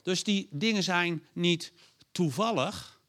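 A man preaching a sermon, lively and animated, acting out God's lines in a raised voice and putting questions to the audience. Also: high voice, slow.

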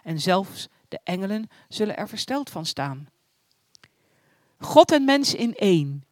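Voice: mid-range voice, sing-song, measured pace, a little mellow, dry recording, clean studio sound. A reader doing the solemn, commanding Lord. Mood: proclaiming. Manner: proclaiming, solemn. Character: almighty male God, solemn and commanding.

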